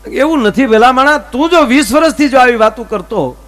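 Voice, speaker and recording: A man performs stage comedy in a high, lively voice. He plays both sides of each story's dialogue. A faint electrical hum runs under the live mic. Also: a little fast. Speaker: folk comedian.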